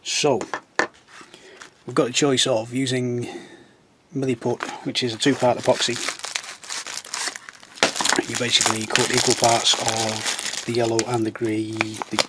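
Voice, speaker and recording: A man, croaky from a sore throat, chatting casually and rambling a little as he explains model-building techniques. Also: mid-range voice, little pitch movement, measured pace, pauses often. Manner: rambling, self-mocking, chatty. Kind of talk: casual how-to chat. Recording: noisy with crinkling sounds.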